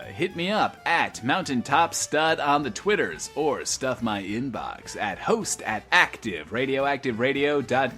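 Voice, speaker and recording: A man's voice: medium pitch, fairly bright tone. A man playing a vain, sardonic post-apocalyptic radio host, grandiose and self-pitying, in an audio drama.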